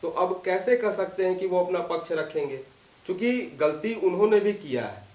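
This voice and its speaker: High-voiced hesitant male reporter, off mic. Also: moderate pace, darkish tone, roomy sound, recorded from a distance. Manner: hesitant, with restarts and filler sounds. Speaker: field reporter and co-host. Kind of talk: studio news discussion.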